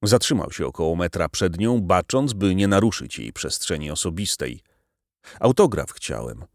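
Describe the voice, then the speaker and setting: A man reading a novel aloud as audiobook narrator, dramatic and expressive. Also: deep voice, normal speed, dry recording, clean studio sound. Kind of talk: scripted narration.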